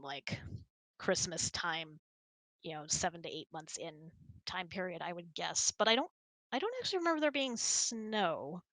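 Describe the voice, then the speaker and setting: A woman's voice: lowish voice, sharp tone, no echo, poor audio. A woman in her thirties, giggly and chatty, hosting a casual question-and-answer hangout. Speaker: host. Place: indoors, close and dry online voice hangout.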